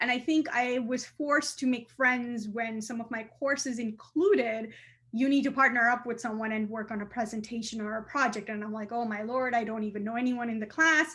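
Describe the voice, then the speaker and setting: In an Indian accent, a woman with a fairly high pitch talks at a fairly quick pace, with fairly even intonation and hardly any pauses. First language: Indian mother tongue. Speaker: astrophysicist. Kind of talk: interview. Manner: fast.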